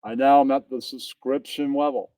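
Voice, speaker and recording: A man's voice: mid-range voice, steady tone, normal speed, warm tone, no echo, distant mic. A man chatting casually and rambling as he hosts a livestreamed puppet show.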